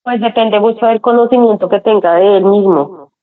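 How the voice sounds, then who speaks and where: A woman student giving thoughtful, measured answers to her teacher's questions. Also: medium pitch. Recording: tinny phone-like line.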